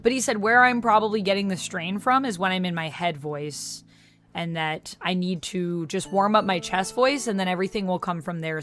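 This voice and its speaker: Chatty streamer woman with a low voice. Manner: chatty, reads chat aloud. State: recovering from vocal strain. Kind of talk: casual live-stream chat.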